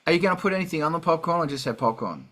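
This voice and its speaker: Guy hosting a casual chat, bright punchy voice kinda high, sweary, lots of teasing banter. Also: animated, racing. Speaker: host of an online music chat.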